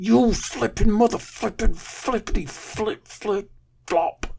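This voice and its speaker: In a put-on character voice, a man speaks at a fairly slow pace in a high, strained pitch with lively intonation. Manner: clenched, strained, suppressed anger.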